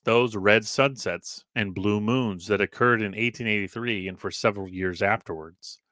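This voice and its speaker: A man with a fairly deep voice narrates archival writing in a dramatic read-aloud style. He moves deliberately from phrase to phrase, pausing for emphasis and now and then tripping on a word. The sound is dry, with little room around the voice. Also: a bit bright, dry recording. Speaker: narrator reading an old newspaper article aloud.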